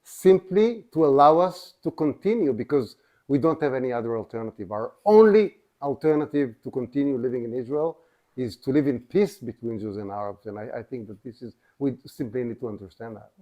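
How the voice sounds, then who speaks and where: A man representing a civil society organization, speaking on a panel in a measured way with frequent restarts. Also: mid-range voice, expressive, dull audio. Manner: measured, restarts sentences, many fillers. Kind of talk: panel discussion.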